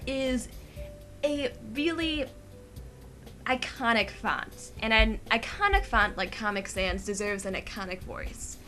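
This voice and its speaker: Playful high-voiced woman gaming. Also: animated, slow, bright, forceful tone, faint music behind. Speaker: let's-play co-host. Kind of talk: casual game banter.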